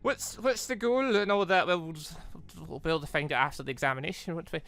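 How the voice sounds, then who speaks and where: A gaming video host giving casual, rambling playthrough commentary in an animated way, often repeating words. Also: mid-range voice, fast talker, no room sound.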